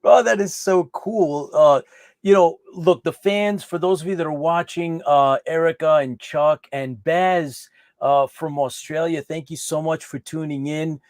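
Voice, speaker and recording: A chatty man hosts a live online interview show. His voice sits a little high, and the sound is close and dry with no room echo. He often repeats words and restarts his sentences. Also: steady tone, unhurried, darkish tone. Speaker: host.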